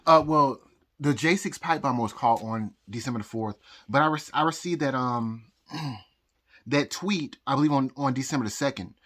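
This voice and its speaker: Bright-voiced man rambling, halting speech. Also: medium pitch. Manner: halting, repeats words, frequent pauses and nervous laughs. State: out of breath. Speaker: vlogger. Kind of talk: rambling personal story to camera. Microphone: phone recording.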